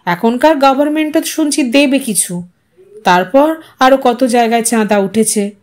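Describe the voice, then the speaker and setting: A woman's voice: a little high, animated, a little slow, darkish tone. A woman voicing a young village man in an audiostory, guilt-ridden, earnest and insistent. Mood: agitated, urging.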